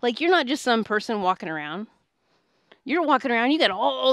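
This is a woman speaking. She has a Southern US accent. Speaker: video blogger and abuse survivor. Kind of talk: casual video diary monologue. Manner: casual, laughs often, profane.

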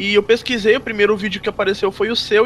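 Over light background noise, a man talks at a fairly quick pace in a high pitch. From Brazil. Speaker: gaming youtuber. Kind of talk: casual chat. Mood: relaxed, friendly. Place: home room. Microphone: headset.

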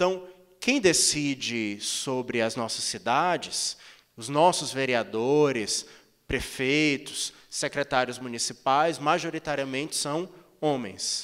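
This man talks at a very slow pace with a northeastern Brazilian accent. His pitch is fairly high, with ordinary variation, over a quiet background. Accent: northeastern Brazilian (Ceará). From Brazil, Ceará (Fortaleza); Ceará, Brazil. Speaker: urban law researcher; speaker. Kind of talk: panel talk. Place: hall. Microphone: handheld.

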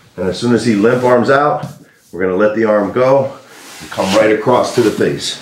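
Moderate pace and ordinary pitch variation, with light background noise and audible room echo. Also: man. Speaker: wrestling coach. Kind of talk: tutorial. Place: gym.

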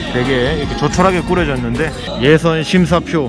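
A man at a moderate pace, with a dry sound with no echo and clear music in the background. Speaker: singer. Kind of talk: casual vlog talk to camera. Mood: relaxed, playful. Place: hall. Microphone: phone near.

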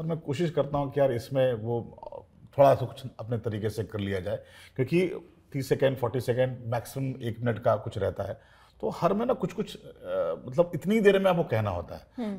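A man speaks at a moderate pace in a fairly high, somewhat breathy voice with a dark, mellow tone and very wide pitch swings. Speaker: actor. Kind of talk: podcast interview answer. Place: studio. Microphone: lapel.

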